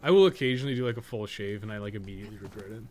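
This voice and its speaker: A man's voice: lowish voice, racing, a little mellow. Canadian man chatting casually over background noise. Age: 30s. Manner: profane, colloquial. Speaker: gaming livestream host. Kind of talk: casual rambling stream chat while playing.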